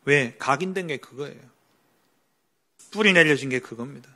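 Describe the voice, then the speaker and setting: A male pastor giving a Sunday sermon, preaching emphatically with rhetorical questions and swinging between loud stresses and quiet asides. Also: medium pitch, normal speed, husky.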